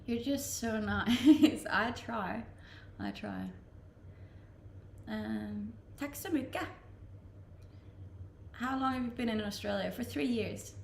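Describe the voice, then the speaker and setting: A woman's voice: medium pitch, creaky, roomy sound, slight background noise. A woman from Denmark with a Danish accent, chatting casually on a live stream as she reads out viewer comments and answers them, laughing often. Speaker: Twitch streamer.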